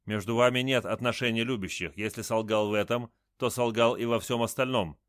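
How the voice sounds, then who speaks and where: A man's voice: mid-range voice, steady tone, a little fast, a bit bright, no echo, studio quality, lightly acted. A man voicing a stern old crippled male tribal chief who questions a stranger sharply. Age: older.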